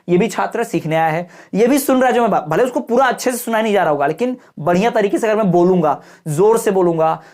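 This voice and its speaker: A male teacher giving an exam-prep lecture. He explains textbook points in plain talk, tags his lines with quick check-ins, and slows down to stress key terms. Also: sits high.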